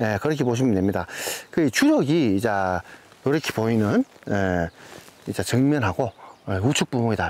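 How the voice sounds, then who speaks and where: At a fairly quick pace, a man talks with lively intonation in a dry sound with no echo. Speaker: fishing show host. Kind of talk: on-location explanation to camera. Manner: fast. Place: waterside.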